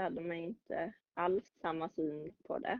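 This is a woman with a normal speaking voice. She speaks fairly slowly at a fairly low pitch. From Sweden, Jönköping. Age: 20s. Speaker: pharmacist, drug safety specialist. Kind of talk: podcast interview. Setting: phone call.

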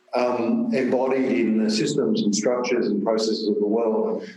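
A man talks in an Australian accent with lively intonation. He goes fairly slowly over noticeable background noise. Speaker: theologian and author. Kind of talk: casual chat. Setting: recorded in one room with host.

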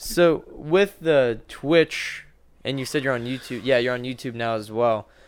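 A man at medium pitch with ordinary pitch variation, a plain, everyday voice. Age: young. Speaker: podcast host. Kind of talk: casual chat.

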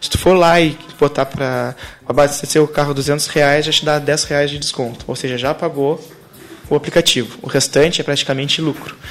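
Amid noticeable background noise, a man with a fairly high pitch speaks in a monotone, flat way. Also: moderate pace. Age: 20s. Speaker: startup founder. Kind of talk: radio interview. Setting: studio.

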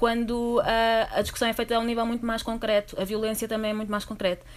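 Talking fairly quickly, the woman has a fairly high pitch. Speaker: debate moderator. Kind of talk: panel moderation. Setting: stage with audience.

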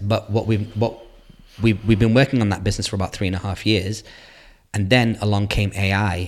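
Fairly quick yet marked by long, frequent pauses, a man's somewhat breathy voice sits at a fairly low pitch in a monotone, flat intonation. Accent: Mancunian. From northern England, Salford (Greater Manchester). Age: 40s. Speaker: creative entrepreneur. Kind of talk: casual interview chat.

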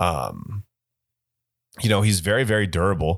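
The recording is very clean with a silent background, carrying a man's fairly low-pitched voice with ordinary pitch variation. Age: 40s. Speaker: sports podcast host. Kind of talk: casual chat.

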